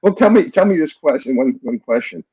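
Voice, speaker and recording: A man hosting an interview, asking questions in halting, restarting phrases. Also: fairly high pitch, lively intonation, warm tone, husky, no room sound, dull audio. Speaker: interviewer host.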